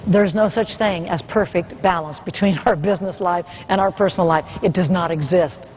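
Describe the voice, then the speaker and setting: A woman's voice: lowish voice, normal speed, slight background noise. Woman telling earnest stories on a lo-fi recording. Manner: earnest storytelling with rhetorical questions to the audience. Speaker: motivational speaker. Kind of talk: motivational keynote speech.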